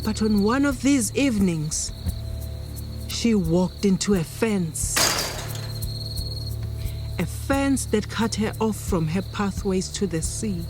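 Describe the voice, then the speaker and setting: A solemn granddaughter from a line of healers tells her story in a radio play. Her delivery is slow, measured and emphatic. Music plays clearly underneath. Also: medium pitch, animated. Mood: solemn, mournful. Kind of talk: dramatic storytelling monologue.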